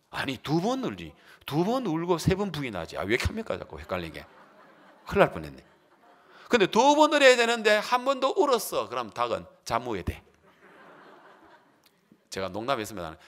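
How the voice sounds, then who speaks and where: Lively, bright-voiced man preaching a sermon. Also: medium pitch. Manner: animated preaching, questions to the congregation, acted-out quotes. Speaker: pastor. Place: church.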